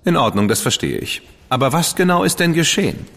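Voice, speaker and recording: An actor playing a witty, defiant dandy with a sarcastic, cheeky manner. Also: male voice, on the high side, sing-song, gravelly, a bit bright, long reverb tail, exaggerated voice. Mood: sardonic. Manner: sarcastic, quick-witted, cheeky. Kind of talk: radio play acting.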